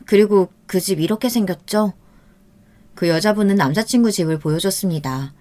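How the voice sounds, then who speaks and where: A woman narrates a true story from her own life in the first person, giving a steady, earnest scripted reading. Her voice is medium-pitched and she speaks at a moderate pace.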